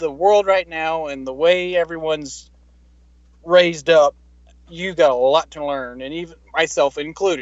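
A man with an American accent and an unremarkable speaking voice talks at a fairly high pitch and a moderate pace, with ordinary pitch variation and big swings in loudness. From Mississippi, US South. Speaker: cowboy and former rodeo rider. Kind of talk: casual chat.

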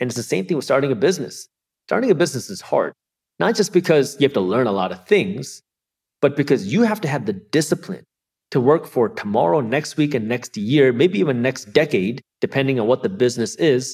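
A man's fairly high voice at a fairly quick pace, with very wide pitch swings. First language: not English. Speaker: finance educator and entrepreneur. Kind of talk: interview conversation.

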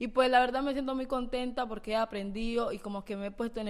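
A woman with a plain, everyday voice, fairly even intonation and a fairly quick pace. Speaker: youth football player. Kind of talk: interview. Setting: video recorded on location in Doha.

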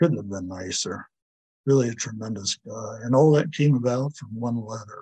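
A man's dark, mellow, somewhat breathy voice with ordinary pitch variation and big swings in loudness. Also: medium pitch for a man, moderate pace. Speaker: collector guest. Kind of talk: casual chat.

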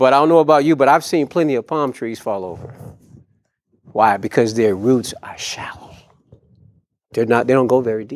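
Pausing long and often, a man of medium pitch speaks at a moderate pace with ordinary pitch variation and big swings in loudness. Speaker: pastor. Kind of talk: conference teaching. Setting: conference room with audience. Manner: halting, many fillers.

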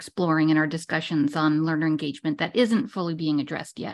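Over a quiet background, the speech moves at a fairly quick pace with lively intonation. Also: woman. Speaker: podcast host. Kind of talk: interview conversation. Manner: enthusiastic.

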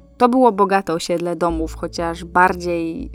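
Music plays in the background. A woman speaks at a fairly low pitch. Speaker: true crime podcast host. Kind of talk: scripted narration.

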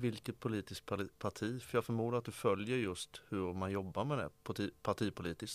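With an ordinary speaking voice, a man talks in a fairly low pitch with ordinary pitch variation. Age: 50s. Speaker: podcast host. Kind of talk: interview.

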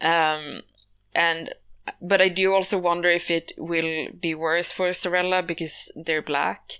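On a very clean recording with a silent background, a woman with a Swedish accent talks at a fairly slow pace in a fairly low, bright, sharp voice with monotone, flat intonation. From Sweden. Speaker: blogger and fan commentator. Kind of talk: casual podcast discussion.

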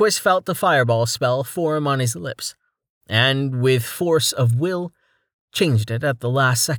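A natural reading-aloud voice, the background quiet

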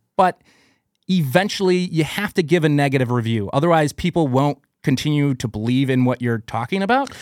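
An ordinary speaking voice at a fairly quick pace with lively intonation, in a very clean recording with a silent background and a dry, close sound with no echo. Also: man, fairly high pitch for a man. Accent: American. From Wisconsin, Milwaukee suburbs (Brookfield). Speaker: social media coach and entrepreneur. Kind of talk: casual interview.

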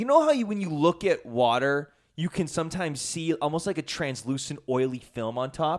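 A man with a Canadian accent has an ordinary speaking voice and a fairly high pitch. His intonation is lively, his pace moderate, with hardly any pauses. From Canada, Edmonton area. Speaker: podcast host. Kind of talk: casual chat.

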